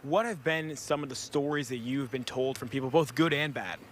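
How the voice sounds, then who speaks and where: A man's voice: medium pitch, normal speed, slight background noise. A man working as a TV news reporter, doing live field reports on location outdoors in an upbeat, chatty way.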